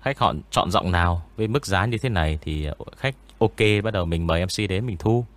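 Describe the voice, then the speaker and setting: A man with an eerie, spooky-sounding voice, a ghost story narrator chatting in a relaxed, rambling interview with frequent pauses. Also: low voice. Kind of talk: casual interview chat.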